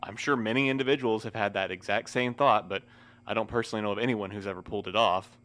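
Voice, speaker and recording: Weary male postmaster played by an actor, lowish pitch, wordy and proper, dryly resigned, for a fiction podcast. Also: steady tone, quick pace, fairly bright tone, natural voice. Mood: resigned, explanatory. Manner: wordy, formal, precise. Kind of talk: scripted audio drama acting.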